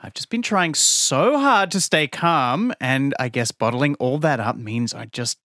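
A man co-hosting a children's podcast, playing a scripted comic quarrel, swinging between sulky and shouty. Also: mid-range voice, expressive, measured pace, no room sound, studio quality. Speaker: podcast co-host.

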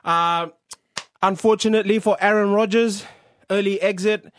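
A man's voice: high voice, fairly even intonation, moderate pace, dry recording, studio quality. A man co-hosting casual sports radio banter, joking and laughing readily. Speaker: co-host.

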